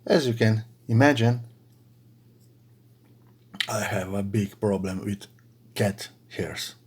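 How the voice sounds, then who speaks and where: A middle-aged Slovenian man with a somewhat low, husky voice talks slowly and haltingly to his followers, full of fillers and restarts. He chats casually while he crochets in his bedroom. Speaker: crochet video creator. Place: bedroom at home.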